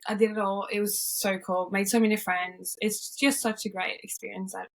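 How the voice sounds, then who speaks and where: A woman's voice: mid-range voice, little pitch movement, moderate pace, poor audio. A young woman from Norway, cheerful and upbeat, chatting casually as an interview guest, with frequent yeahs and ums.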